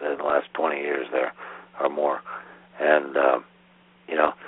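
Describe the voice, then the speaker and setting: A man's voice over noticeable background noise. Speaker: radio host. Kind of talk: casual interview chat. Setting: internet radio show, remote call. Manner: opinionated, halting, talkative.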